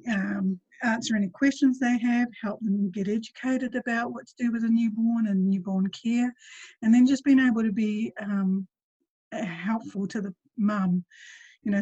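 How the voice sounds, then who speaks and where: A woman's voice: mid-range voice, dark tone, breathy edge, no room sound, highs cut off. A woman with a New Zealand accent, speaking as a postpartum doula in a casual interview, chatty and full of ums.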